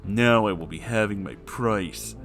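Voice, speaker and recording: A man voicing a haughty male cartoon cat with a stern, slow, pompous delivery. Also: lowish voice, a bit bright, soft background music.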